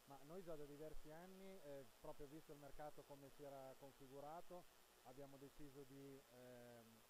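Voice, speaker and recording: A middle-aged man, a sales director, answering interview questions in a measured, businesslike way with frequent fillers, recorded on a handheld mic at a trade-fair stand. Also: medium pitch, fairly even intonation. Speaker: sales director of an asset manager. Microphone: handheld interviewer mic held close. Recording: audible hiss and background noise.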